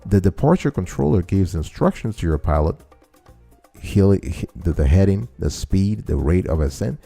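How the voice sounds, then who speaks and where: A man's voice: deep voice, animated, moderate pace, creaky, mellow, faint music behind. A man hosting an informal explainer, teaching step by step and restating key phrases to his listeners. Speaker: show host and explainer.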